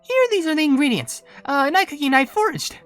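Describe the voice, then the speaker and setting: Proud young game princess, high and animated, eager and boastful, music underneath. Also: female voice, a little fast. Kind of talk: video game voice acting.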